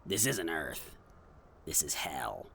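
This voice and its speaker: A woman's voice: a bass voice, sing-song, slow pace, vocal fry, fairly bright tone, slightly rough, full character voice. A woman playing a sardonic, condescending flesh-eating demon in a comedic audio drama. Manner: sarcastic, condescending.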